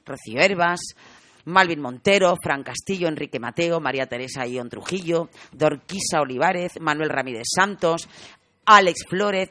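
A woman's voice: low-pitched, bright, forceful tone, dry recording. A woman from co-hosting live radio talk, rambling from one announcement into the next. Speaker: radio show co-host.

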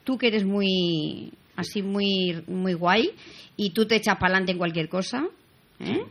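A woman's voice: mid-range voice, takes it slowly, fairly bright tone. A woman hosting a radio show, effusive and enthusiastic as she praises her guest. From Spain. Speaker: radio host. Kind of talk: casual radio chat.

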